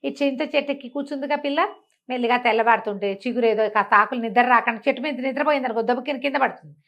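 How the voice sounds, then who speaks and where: A woman telling a comic folk tale in an animated, conversational way, often repeating phrases. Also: fairly high pitch, rapid-fire, dull audio. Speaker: storyteller.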